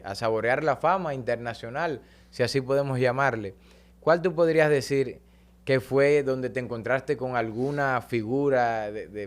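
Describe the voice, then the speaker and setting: A man from the Dominican Republic with a strong Dominican accent, hosting a podcast and asking long, winding questions. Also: mid-range voice. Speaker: podcast host. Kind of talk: casual interview chat.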